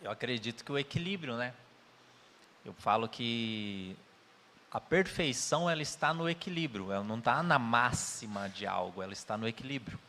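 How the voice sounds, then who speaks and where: A man with a Brazilian Portuguese accent speaks earnestly in a conversational spiritist lecture. His voice sits in a middle pitch and carries a long reverb from the hall around him. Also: lively intonation, normal speed, bright, forceful tone, a little hiss or hum. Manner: earnest, tells anecdotes with quoted dialogue.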